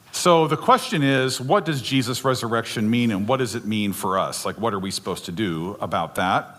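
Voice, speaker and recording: At a moderate pace, a man talks with lively intonation and a medium pitch. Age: 60s. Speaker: pastor. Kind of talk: sermon. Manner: casual, hesitant with fillers.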